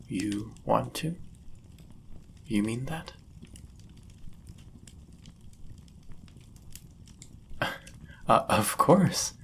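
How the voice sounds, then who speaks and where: A powerful demon, acted by a man, speaks in a very deep voice thick with gravel. He is a devoted, possessive lover with formal, deliberate phrasing, unhurried and intimate, as in a fantasy audio drama. A faint noise sits behind the voice. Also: exaggerated voice. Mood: hopeful, surprised. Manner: formal, old-fashioned wording, deliberate. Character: powerful male demon, devoted, jealous lover bound to a sorcerer. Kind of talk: intimate scripted audio roleplay.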